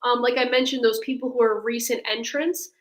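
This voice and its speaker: A woman's voice: on the high side, fairly even intonation, a little fast. A woman speaking as an immigration attorney, explaining legal steps conversationally, point by point, in a question-and-answer session. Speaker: immigration attorney, guest expert.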